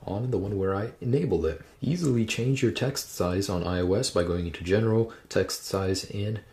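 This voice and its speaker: A man's voice: lowish voice, moderate pace, darkish tone. A man hosting a tech tutorial, walking step by step through phone settings in an instructional manner. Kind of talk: screen-recorded how-to narration.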